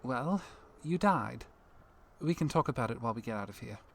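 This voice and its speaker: A man's voice: mid-range voice, lively intonation, moderate pace, gravelly, slight background noise. A man playing a terse, matter-of-fact rescuer with an axe in an audio drama, dry and businesslike.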